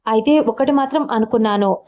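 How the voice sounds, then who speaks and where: Woman reading a playful groom, slightly high voice, muffled recording. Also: a little fast, close to an everyday voice. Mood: teasing. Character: young man, playful teasing groom.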